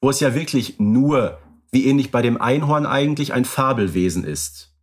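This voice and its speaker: A man co-hosting a podcast in relaxed casual chat, hedging with filler phrases. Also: medium pitch, normal speed, slightly rough. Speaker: podcast co-host.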